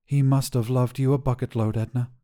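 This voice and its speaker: A man reads as a woman jeweler in an audio short story. The voice is mellow and lifted slightly over his narration. She comes across as gentle, kindly and earnest. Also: medium pitch, steady tone, a little fast, lightly acted. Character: gentle, earnest female jeweler with intuitive gift.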